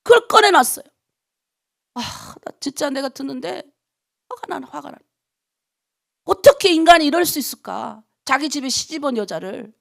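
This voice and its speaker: A woman's voice: high-pitched, animated, moderate pace, gravelly. A middle-aged woman pastor preaching a dawn prayer sermon, appealing to her congregation with heated rhetorical questions. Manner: impassioned, rhetorical questions to the congregation, quoting others in voices. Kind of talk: early-morning prayer sermon.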